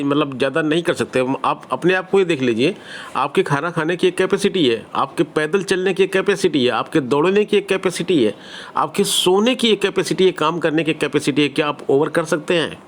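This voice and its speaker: A man's voice: fairly high pitch, moderate pace, slight background noise. A man with a Hindi accent giving exam-preparation advice to students in a direct, conversational teaching style with everyday examples. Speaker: online exam-prep teacher.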